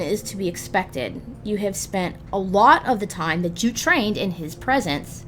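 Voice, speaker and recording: A woman with a mid-range voice hosts a gaming roleplay guide, narrating scripted explanations emphatically and addressing the listener directly. There's a little hiss or hum in the recording.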